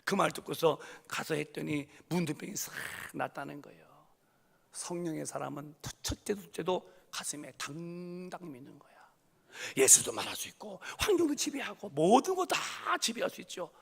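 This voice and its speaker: A middle-aged man preaching a sermon as pastor, fervent and animated, acting out scenes with loud raised voices. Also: on the high side, normal speed, gravelly, breathy edge. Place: church sanctuary. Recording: long church reverb.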